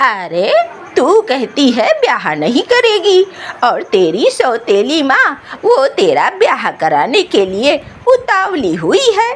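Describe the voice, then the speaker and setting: A cartoonish character voice, female-sounding and high-pitched. It speaks at a very slow pace. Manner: nosy, gossipy.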